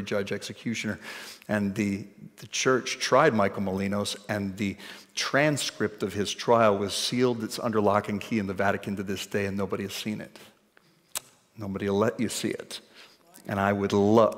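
A man in his forties preaching a sermon on a church stage, conversational with joking asides to the congregation. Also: fairly low pitch. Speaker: pastor. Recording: hall reverb in a church.

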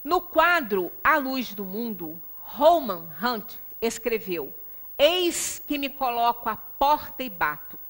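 A middle-aged woman with a Brazilian accent delivers a spiritual talk in a high, forceful voice. She takes her time, stressing points and adding little rhetorical check-ins. The sound rings with long room reverberation. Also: very animated, slow pace. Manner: emphatic, with frequent rhetorical tag questions. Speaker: lecturer at a Spiritist center. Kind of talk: religious lecture, explanatory and conversational. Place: small indoor lecture room. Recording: reverberant meeting room, distant microphone.

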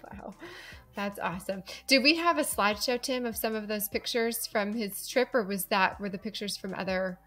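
A woman's voice: mid-range voice, moderate pace, fairly bright tone, soft background music. A woman hosting a podcast, curious and asking many questions. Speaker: podcast host. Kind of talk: casual podcast chat.

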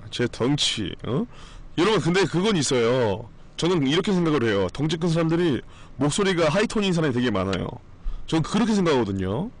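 A male streamer talks loosely with his viewers in a strained voice that is still recovering. His pitch swings about in a lively way as he rambles, bluntly and with the odd curse. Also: brisk. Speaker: live streamer. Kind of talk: casual live-stream chat.

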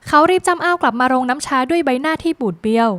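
A woman narrating a scripted drama plot recap in a brisk, lively storytelling manner with dramatic phrasing. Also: high-pitched, no room sound.

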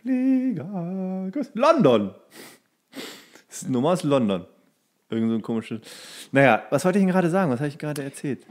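A man's voice: on the high side, sing-song, moderate pace. A man telling anecdotes in casual, comedic podcast chat, rambling, correcting himself and acting out remarks. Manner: rambling, self-correcting, acts out quoted remarks. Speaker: podcast co-host.

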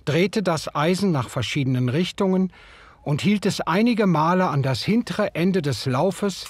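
A man with a slightly husky voice, reading literary narration for a radio play. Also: sits high, animated, unhurried, no room sound, heavily acted.

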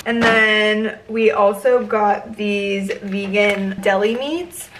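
A woman's voice: medium pitch, steady tone, slow pace, fairly bright tone, far from the mic, slight background noise, rough recording. A woman in her twenties, chatting playfully and teasing as she shows off a grocery haul in her kitchen. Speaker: vlogger. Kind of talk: casual vlog chat. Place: home kitchen, indoors.

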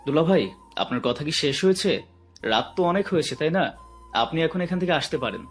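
Guy playing an annoyed embarrassed young groom, pretty high voice, fed up. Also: animated, normal speed, a little mellow, soft background music. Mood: exasperated. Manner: defensive, exasperated.

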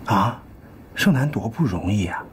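A stammering, wheedling husband. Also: male voice, on the low side, animated, measured pace. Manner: stammering, wheedling, often hushed. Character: flustered middle-aged husband, coaxing and sheepish. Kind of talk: TV drama acting.

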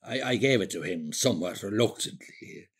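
An elderly Irishman with a husky voice and a lively, swinging delivery. He is a forgetful, wistful old builder who rambles conversationally through a radio play monologue. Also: lowish voice, moderate pace. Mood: reminiscing. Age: older. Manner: rambling, hesitant, conversational storytelling.

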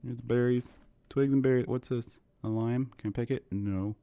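Playing Minecraft for his channel, a thirtysomething man rambles to viewers and pokes fun at himself while sick, his voice turning hoarse. He speaks at medium pitch and a moderate pace, with a steady, warm, smooth tone, in a dry recording.

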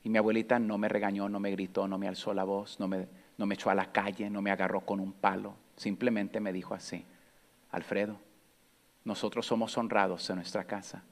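Pastor preaching in a reverberant hall. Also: male voice, on the low side, level tone, fast talker, hardly any pauses. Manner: storytelling, drops to a soft near-whisper for quiet moments. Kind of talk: sermon.

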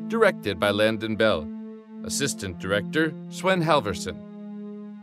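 A male announcer delivers scripted credits in a fairly low voice. Music plays clearly behind the narration.

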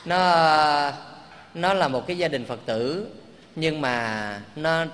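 A man's voice: on the high side, takes it slowly, fairly bright tone. A man, a Buddhist monk giving a sermon, telling a moving story in a conversational, emotional way with rhetorical questions. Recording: long reverb, faint background hum.

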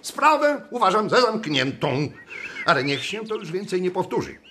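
A pedantic, strict schoolteacher in a radio play. His voice is high and sharp and leaps wildly in pitch as he lectures with callous pomposity. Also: sing-song, normal speed, slight background noise, heavily acted. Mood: stern, indignant. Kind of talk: radio drama acting.

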